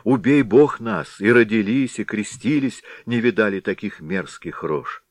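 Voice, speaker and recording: A man's voice: mid-range voice, a little slow, dry recording, pitched above the performer's own voice. A man reading an audiobook, voicing frightened village constables who plead and tell what happened. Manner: pleading, excited.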